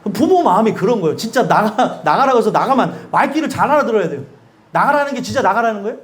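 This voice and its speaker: A man's voice: animated, quick pace. A male pastor giving an emphatic, conversational sermon and often asking the congregation questions. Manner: acts out quoted speakers with sudden drops in pitch and loudness.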